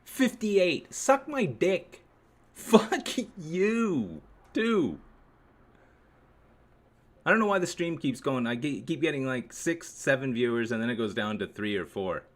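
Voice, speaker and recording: A man rambles through a live stream, grumbling at his viewers with sarcastic jabs and constant swearing. His voice sits at an ordinary middle pitch for a man. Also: very animated, slow pace. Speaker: livestream host.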